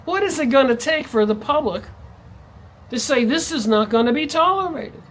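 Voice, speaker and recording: A man's voice: very high-pitched, animated, normal speed, fairly bright tone, a little hiss or hum. A man vlogging in a ranting monologue, his voice jumping up sharply on stressed words. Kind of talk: monologue to camera.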